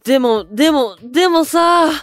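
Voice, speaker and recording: A man playing a bright, impulsive young male idol in an anime-style audio drama, boyish, slangy and exuberant. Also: extremely high pitch, animated, unhurried, dry recording, faint music behind, heavily acted. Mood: earnest, flustered.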